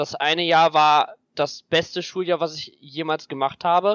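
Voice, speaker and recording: A man with a fairly high pitch speaks in a plain, everyday voice at a moderate pace. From Hanover, northern Germany. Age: 20s. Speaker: train driver. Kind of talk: casual interview.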